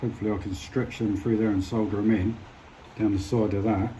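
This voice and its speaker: Mellow, low-voiced British man thinking aloud. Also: fairly even intonation, fairly quick, slight background noise, rough recording. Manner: informal, hesitant, thinking aloud while working. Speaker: hobbyist presenter of an electronics repair. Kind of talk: casual hands-on repair demonstration.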